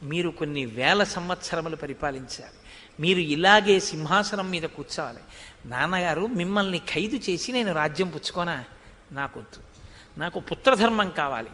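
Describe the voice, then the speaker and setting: A young prince, dutiful and calm, firmly turning down his father's offer, as a preacher retells him. The voice is high and bright, with long reverb from the hall.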